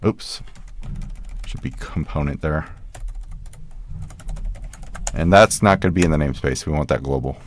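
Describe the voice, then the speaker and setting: A man with a low voice walks through writing code in a relaxed, conversational way, talking to himself as he goes. He sounds like a screen-recorded coding tutorial, with keyboard typing heard behind him. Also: a little slow, long pauses, slight background noise. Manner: casual, thinks aloud while typing code. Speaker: programming tutorial host.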